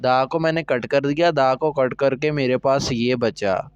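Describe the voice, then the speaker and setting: A man's voice: mid-range voice, unhurried, smooth, dry recording, lo-fi sound. A man teaching a recorded Korean lesson, explaining step by step and often checking that students follow. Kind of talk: recorded language lecture.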